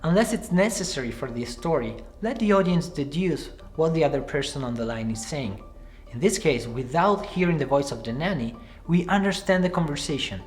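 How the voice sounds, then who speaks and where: A man in his thirties presenting a scripted screenwriting tutorial to camera from a small room, speaking in a clear, measured way. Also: on the high side, expressive, faint music behind. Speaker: screenwriting teacher. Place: small room with cards pinned on the wall.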